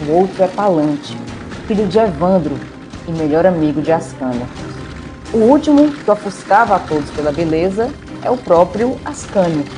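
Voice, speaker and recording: A woman's voice: lowish voice, animated, normal speed, over music, rough recording. A woman with a Brazilian accent, narrating a scripted tale in a theatrical, playful way.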